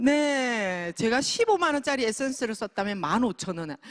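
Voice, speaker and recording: A woman with a Busan accent and an animated tone, at a fairly slow pace with very wide pitch swings, in a dry, close sound with no echo. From Busan, South Korea. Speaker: network marketing distributor. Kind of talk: seminar talk.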